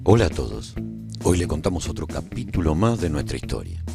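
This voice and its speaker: A man playing an earnest, reflective narrator of a radio serial, telling his own story of life at a royal court in a measured, solemn, dramatic delivery. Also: very deep voice, big pitch swings, creaky, music in the background, heavily acted.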